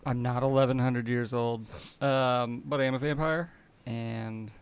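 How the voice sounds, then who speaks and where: A man's voice: medium pitch, fairly even intonation, slow, clean tone. A man chatting informally and joking as a player on a tabletop game podcast. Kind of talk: casual group banter.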